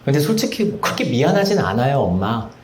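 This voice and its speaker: A man's voice: medium pitch, big pitch swings, quick pace, roomy sound, lightly acted. A man acting out a despairing young adult son who speaks in a subdued, resigned way.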